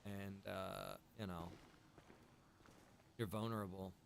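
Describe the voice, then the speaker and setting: A man chatting casually on a game livestream, rambling and thinking out loud. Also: low voice, steady tone, slow pace, vocal fry, a little hiss or hum. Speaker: game streamer. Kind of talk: casual livestream chat while gaming.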